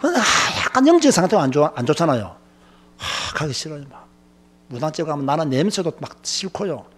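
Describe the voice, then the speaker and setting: A man's voice: a little high, fairly quick, slightly rough. A male pastor preaching a sermon, telling stories emphatically with lots of filler words. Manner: emphatic, animated storytelling with many filler words.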